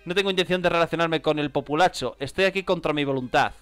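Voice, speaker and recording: Guy reading lines for a stuck-up young dove boy, cold and dismissive, slightly high voice. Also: quick pace, fairly bright tone, clear, resonant tone, soft background music, lightly acted. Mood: disdainful. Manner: disdainful, aloof. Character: haughty young male dove transfer student.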